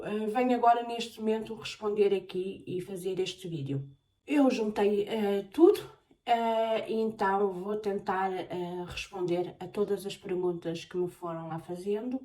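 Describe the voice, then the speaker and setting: A woman from Portugal with a European Portuguese accent, chatting casually in a question-and-answer vlog, often pausing on filler sounds. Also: medium pitch, a little mellow. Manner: hesitant, many filler sounds. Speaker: vlogger. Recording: voice a bit far from the mic.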